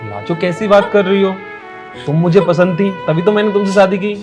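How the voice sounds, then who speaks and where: A man's voice: sits high, fairly even intonation, brisk, over music, lightly acted. A man playing an earnest young husband who soothes his wife and stands up to his mother. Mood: soothing. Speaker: son and husband. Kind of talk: rural Hindi film drama.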